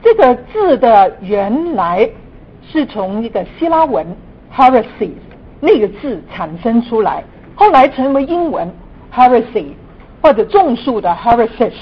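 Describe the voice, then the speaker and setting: A woman's voice: very animated, unhurried, husky. A woman from Guangdong, a native Cantonese speaker, speaks Mandarin with a Cantonese accent as a Christian lecturer, mixing in English terms. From Guangdong, China. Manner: frequent sentence particles, mixes in English terms. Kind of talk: church teaching lecture. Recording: dull lo-fi room recording, audible noise, rumble.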